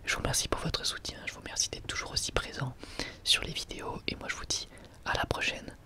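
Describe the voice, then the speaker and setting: Whispering Frenchman doing casual ASMR. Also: fast. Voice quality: unvoiced, breathy whisper. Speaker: ASMR video host.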